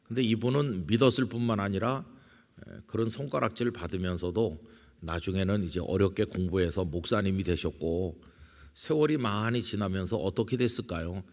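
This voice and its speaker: A middle-aged male pastor preaching an early-morning sermon in a conversational way, asking the congregation questions and reading scripture slowly. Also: sits low, darkish tone. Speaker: senior pastor. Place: church sanctuary. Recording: long church reverb.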